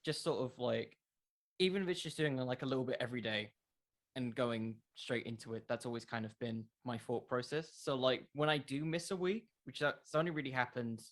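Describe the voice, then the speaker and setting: Speaking a little fast in a medium-pitched voice, this man in his twenties is a podcast creator chatting informally as an interview guest. His thoughtful answers are peppered with fillers, hesitations and restarts.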